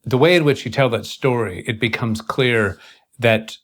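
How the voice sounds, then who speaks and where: A man interviewing in an intellectual conversation, choosing formal words deliberately in broken, halting phrases. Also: medium pitch, fairly bright tone.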